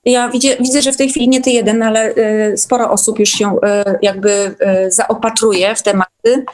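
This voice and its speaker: Female guest, slightly high register, informal discussion, hesitant and repetitive. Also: flat delivery, moderate pace, a little mellow. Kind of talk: casual online discussion.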